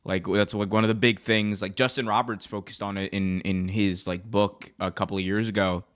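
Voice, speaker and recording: Man, somewhat low voice, show host, casual news commentary, loose conversational phrasing, filler-heavy. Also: little pitch movement, normal speed, a bit bright. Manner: loose, frequent "like" and "you know".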